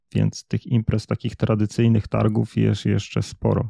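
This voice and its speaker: A man talks at a moderate pace, his voice recorded with a dry, close sound and no echo. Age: 30s. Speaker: games journalist. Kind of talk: casual chat.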